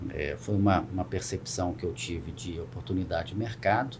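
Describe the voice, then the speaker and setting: Audible room echo hangs around this man's voice. He speaks very deep and low at a fairly slow pace. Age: 60s. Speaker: sports manager. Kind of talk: podcast interview. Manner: halting, many fillers.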